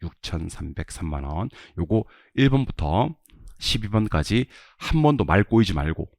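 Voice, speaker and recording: A man's voice: lowish voice, normal speed, no room sound, clean studio sound. A middle-aged man giving an online exam-prep lecture, drilling students by reading figures aloud and quizzing them again and again. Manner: animated, drills numbers with repeated questions to students. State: just woke up, a bit scattered. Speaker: real estate exam instructor.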